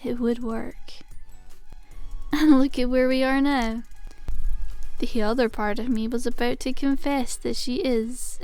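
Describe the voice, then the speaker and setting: A woman playing a playful, possessive werewolf demon girlfriend in an intimate, softly teasing ASMR roleplay. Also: on the high side, gravelly, poor audio.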